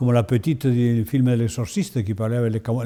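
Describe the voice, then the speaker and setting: A man speaks with a dark, mellow tone. His pitch sits in the medium range. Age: 80s+. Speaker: priest and exorcist. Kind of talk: lecture. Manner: conversational, many verbal tics.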